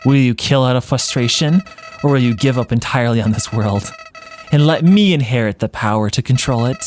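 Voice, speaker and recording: A man voicing a smug, sinister flower villain from a video game, taunting in a mocking, theatrical, deliberate way. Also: medium pitch, a little mellow, lightly acted. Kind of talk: voiced read-along of game dialogue.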